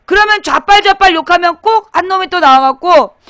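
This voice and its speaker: A woman's voice: very high voice, fairly quick, fairly bright tone, dry recording. A woman hosting a political talk webcast, talking bluntly and emphatically to her live chat audience and firing rhetorical questions at them.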